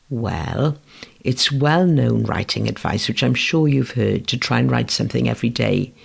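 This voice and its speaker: Man from Wales, Welsh native, writing instructor, measured narration, deep gravelly fry, husky tone. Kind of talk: scripted educational narration.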